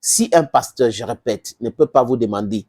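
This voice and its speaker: A political commentator addresses viewers at a moderate pace, his mid-range voice slightly mellow. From Southern Cameroon, with English as his first language and a Cameroonian accent, he offers fervent, informal commentary, repeating points emphatically and posing rhetorical questions.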